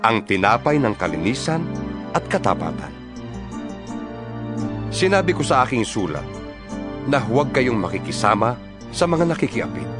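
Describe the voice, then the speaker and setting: A man playing a stern, impassioned apostle in a dramatized scripture reading, admonishing his church with emphatic, preacherly delivery. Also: medium pitch. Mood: solemn, exhorting. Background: music behind the voice.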